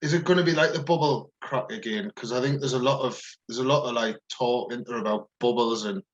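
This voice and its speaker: A man's voice: mid-range voice, a little fast. A man hosting a podcast, asking casual, rambling questions in an informal way on a dull lo-fi recording. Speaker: podcast host, interviewer. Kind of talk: casual interview chat. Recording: dull lo-fi microphone sound.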